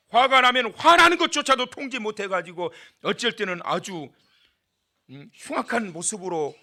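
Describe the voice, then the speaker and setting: A man's voice: high-pitched, bright, forceful tone. A male pastor giving a sermon in church, dramatic and full of questions to the congregation.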